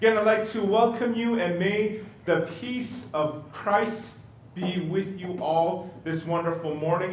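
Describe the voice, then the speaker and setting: A man speaks at a fairly slow pace. Audible echo fills the room. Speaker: pastor. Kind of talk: welcome announcements to congregation. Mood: warm, lightly humorous. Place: church.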